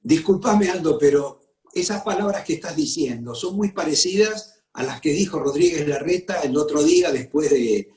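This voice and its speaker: A man with a Rioplatense accent hosting a TV political interview, interjecting with measured questions. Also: on the high side, a little mellow, roomy sound. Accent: Rioplatense Spanish. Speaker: TV interview host.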